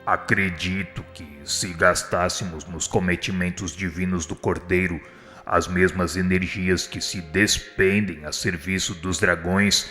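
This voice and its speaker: Radio drama role: a man as kindly spirit guide, very low voice, reverent, measured, in a reverberant hall. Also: steady tone, sharp tone. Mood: humble, earnest. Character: humble, kindly male spirit mentor. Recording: long hall reverb with music behind.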